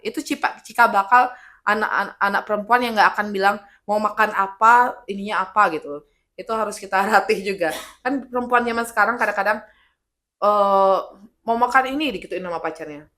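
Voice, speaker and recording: Hoarse middle-aged woman, lively talk. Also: medium pitch, a little fast. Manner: lively, animated storytelling with acted quotes. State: hoarse from illness. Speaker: guest speaker, army officer's wife. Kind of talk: casual interview talk.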